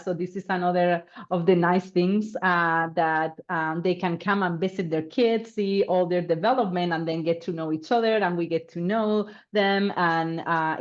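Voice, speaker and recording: Woman, school director, lower voice, dull call sound, explains patiently. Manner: friendly, explanatory, with frequent fillers. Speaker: school resident director hosting a reception. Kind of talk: presenting to prospective families. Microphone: video call.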